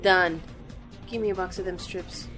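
A woman's voice: lowish voice, fairly even intonation, moderate pace, fairly bright tone, soft background music, close to an everyday voice. A woman playing a sassy, gossipy office worker in an audio drama. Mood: haggling. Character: sassy, gossipy female office worker spreading tall tales.

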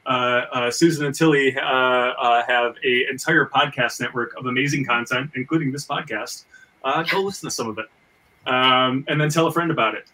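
A man's voice: medium pitch, normal speed, sharp tone, distant mic, poor audio. A man hosting a casual podcast, speaking emphatically with repeated stammering starts and free swearing. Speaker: podcast host.

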